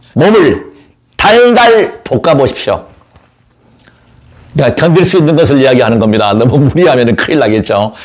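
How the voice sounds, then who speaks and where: With very wide pitch swings yet very even loudness, a man speaks at a fairly high pitch and leaves long, frequent pauses. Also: moderate pace. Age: 60s. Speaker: vlogger giving life advice, Buddhist practitioner. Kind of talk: casual storytelling vlog to viewers.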